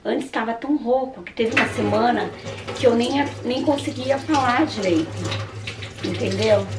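A young Brazilian woman vlogger with a hoarse, husky voice, chatting casually to her viewers at home. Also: a little high, normal speed, noisy background. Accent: Brazilian Portuguese. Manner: chatty, keeps addressing viewers. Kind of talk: casual chat to camera. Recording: roomy, distant camera mic.

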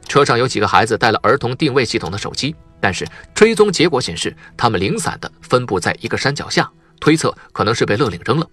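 A man's voice: medium pitch, fairly bright tone, breathy edge, dry recording. A man narrating a suspense audiobook in a dramatic, scripted storytelling style.

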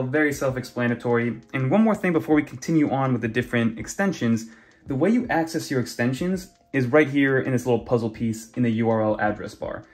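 In a casual screen walkthrough, a young man who makes tech YouTube videos chats through tablet browser features, full of fillers. His voice is medium-pitched and a little mellow.

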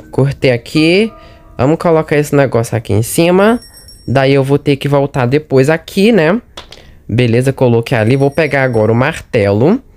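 A man with a Brazilian accent giving chatty let's-play commentary on a horror game, talking straight to his viewers and jumpy at every scare. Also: a little high. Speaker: gaming channel host.

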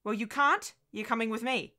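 A woman's voice: a little high, normal speed, pushed and bright, voice pushed up. A woman voicing an anxious young mother with fraying nerves in audiobook dialogue, tense and pleading. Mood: coaxing, firm.

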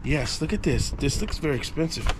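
A man in his thirties vlogging outdoors at a storage lot, joking and excited as he digs through bins. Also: fairly high pitch, a little fast, noisy background. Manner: excitable, joking, talks to camera. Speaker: storage unit buyer. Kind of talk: casual vlog while unboxing. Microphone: camera mic, handheld close.

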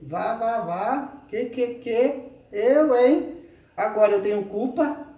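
A man hosting his channel, ranting in a sarcastic, lively way and tagging his sentences with questions. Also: high-pitched, takes it slowly, reverberant, distant mic. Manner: animated, sarcastic, peppers sentences with "tá?". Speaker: YouTube channel host. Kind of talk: ranting reply video.

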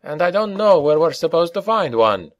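A man's voice: on the high side, big pitch swings, normal speed, no room sound, lo-fi sound, voice pushed up. A man voicing a smug, scornful and sceptical man in an audiobook. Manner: smug, dismissive, pointed.

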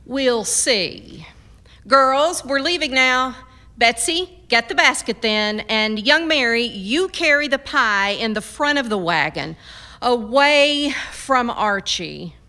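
An actress playing a firm, practical frontier mother in a radio drama, with a brisk, folksy, scolding manner. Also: fairly high pitch, lively intonation, sharp tone, exaggerated voice. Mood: busy, bossy.

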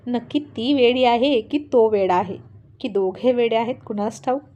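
A middle-aged mother-in-law in a storybook, fond and wise, reassuring her husband about the young couple, as a woman narrator puts her on. She speaks in a fairly high, confident voice. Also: normal speed, mellow, highs cut off, natural voice. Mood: amused.

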